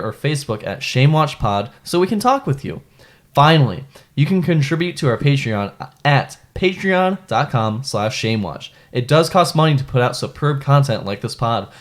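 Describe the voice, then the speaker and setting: A man co-hosting a comedy movie podcast, chatting casually and reading the show's outro with frequent laughs. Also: on the high side. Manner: laughs often, reads outro credits. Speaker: podcast co-host.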